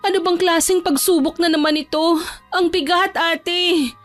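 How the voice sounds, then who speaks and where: A woman's voice: extremely high pitch, steady tone, normal speed, faint music behind, voice pushed up. A woman voicing a bitter, vengeful young woman in an audio drama, with a whiny, indignant, dramatic delivery. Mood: bitter, upset.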